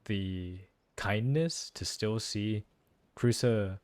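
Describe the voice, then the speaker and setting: Speaking slowly in a voice on the low side, a male streamer works through a story quest. His commentary is casual and thoughtful, mixing analysis with repeated phrases for emphasis.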